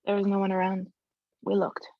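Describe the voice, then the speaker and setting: A woman's voice: mid-range voice, completely flat delivery, brisk, dry recording, natural voice. A woman playing a tough, urgent woman of a strikers' camp at a table read. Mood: urgent, worried. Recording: dry, slightly dull close sound.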